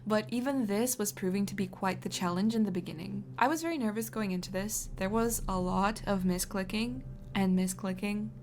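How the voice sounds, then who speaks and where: A woman giving scripted documentary-style narration of her own video, with dry, deadpan humor and a slow, deliberate delivery. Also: mid-range voice, slight background noise.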